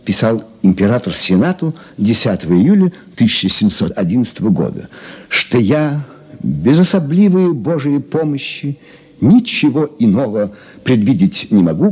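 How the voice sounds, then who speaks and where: An actor playing an erudite jewellery expert in a radio drama, lecturing in a pedantic, expressive manner. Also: male voice, mid-range voice, husky. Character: Pyotr Petrovich, erudite male jewellery expert, lecturing with relish. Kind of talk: Soviet-era radio drama monologue.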